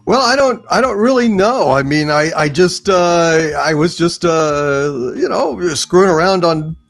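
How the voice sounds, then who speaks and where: A man chatting casually as a guest, in a halting, rambling way. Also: fairly high pitch, expressive, vocal fry, faint music behind. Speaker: guest, voice actor. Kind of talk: casual chat.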